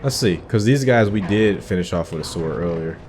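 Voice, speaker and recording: Deep-voiced man doing casual game commentary. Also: animated, brisk, a little mellow, a little hiss or hum. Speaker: gaming streamer doing a playthrough. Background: game music.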